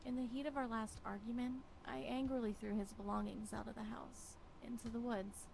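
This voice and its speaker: A woman playing a lonely, regretful wife in a visual novel, wistful and brooding, with deliberate phrasing. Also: fairly high pitch, steady tone, darkish tone. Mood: sad. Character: Violet, lonely regretful wife wandering a forest. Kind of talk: scripted visual novel monologue. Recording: clearly noisy, with ambience behind.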